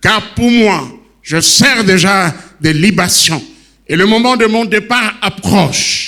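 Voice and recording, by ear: Speaking at a slow pace, a man with a high pitch has a bright, sharp tone and lively intonation.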